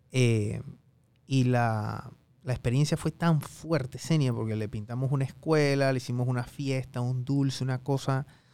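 This man's dark, mellow voice sits at medium pitch, moving at a fairly slow pace with fairly even intonation. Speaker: podcast host. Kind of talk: interview.

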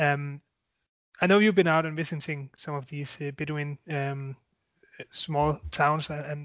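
A man with a Danish accent talks at a fairly slow pace in a fairly high pitch. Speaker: podcast host, journalist. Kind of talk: interview. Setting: phone call.

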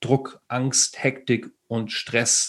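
The man's voice is somewhat breathy. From northern Germany, Schleswig-Holstein. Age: 40s. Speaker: former teacher and parenting seminar leader. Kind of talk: interview conversation.

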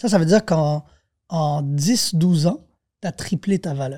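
Fairly high in pitch, a man's voice shows ordinary pitch variation. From Montreal, Quebec. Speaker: entrepreneur and real estate investor. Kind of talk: casual chat.

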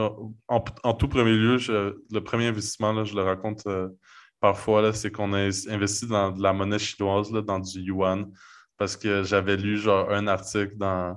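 Over a quiet background, a man speaks in a flat monotone at a fairly low pitch and fairly slow pace. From Montreal, Quebec. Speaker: bitcoin company community manager. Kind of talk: casual interview chat.

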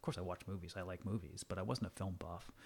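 In a very clean recording with a silent background, a somewhat breathy man with an American accent speaks with ordinary pitch variation. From US New England (Andover, Massachusetts). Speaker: retired communications lecturer. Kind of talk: casual interview. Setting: at host's home.

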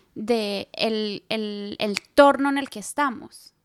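The intonation stays fairly even. The sound is dry and close, with no echo. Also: woman. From Latin America. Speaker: podcast co-host. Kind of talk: casual chat. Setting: radio studio.

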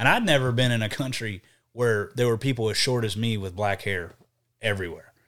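Recorded very cleanly against a silent background, a man with a Southern accent talks fairly quickly at a medium pitch with ordinary variation. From Texas. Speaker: metalcore vocalist and barber. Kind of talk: casual chat. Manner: animated.

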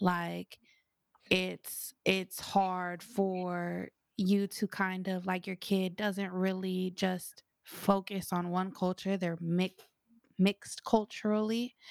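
A woman with an American accent at a medium pitch, very slow, in a monotone, flat intonation, on a very clean recording with a silent background. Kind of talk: casual chat.

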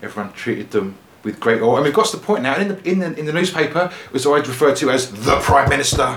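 A man talks at a very fast pace with very wide pitch swings over noticeable background noise. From UK. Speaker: podcast co-host. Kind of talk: casual chat.

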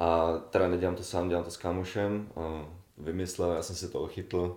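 Somewhat breathy, a man speaks at a moderate pace in a very deep, low pitch with monotone, flat intonation. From Czechia, South Moravia (Hustopeče/Brno). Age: 30s. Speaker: gym member. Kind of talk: casual interview chat.

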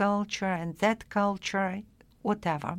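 A woman's medium-pitched voice at a fairly slow pace, fairly even in intonation, on a very clean recording with a silent background. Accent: Ukrainian. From Ukraine (Kharkiv). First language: Ukrainian. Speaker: professor. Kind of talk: interview.

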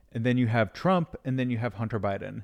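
A man speaks at a medium pitch with an American accent and ordinary pitch variation. The recording is very clean and silent behind him, with a dry, close sound and no echo. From US Midwest (Michigan). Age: 30s. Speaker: podcast host, comedian. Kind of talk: casual chat. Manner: playful, jokey.

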